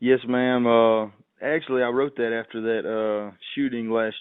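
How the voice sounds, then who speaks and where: In a strong Texan accent, a man talks at a moderate pace with a medium pitch and monotone, flat intonation. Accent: Texas accent, strong. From Texas. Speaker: country musician. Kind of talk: interview. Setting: phone call. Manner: halting, many fillers.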